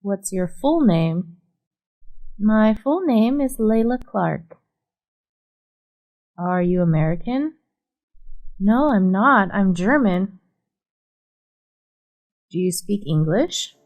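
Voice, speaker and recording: Woman reading english practice q and a, really slow and careful, voice right in the middle. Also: mid-range voice, animated, phone-quality sound. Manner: reads both questions and answers, deliberate and evenly paced. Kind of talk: scripted practice dialogue reading.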